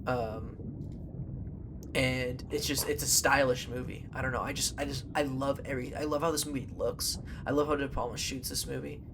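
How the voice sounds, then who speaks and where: A man's voice: mid-range voice, steady tone, moderate pace, gravelly, background noise. A man co-hosting a casual movie podcast, playful and rambling, with many fillers. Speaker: podcast co-host.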